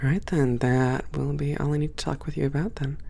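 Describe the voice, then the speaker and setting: A woman's voice: deep voice, steady tone, a little fast, creaky, warm tone. A woman playing a strict but kind naga hangar boss, courteous and encouraging, in an ASMR audio drama. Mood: polite, welcoming. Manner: composed, courteous, encouraging, managerial.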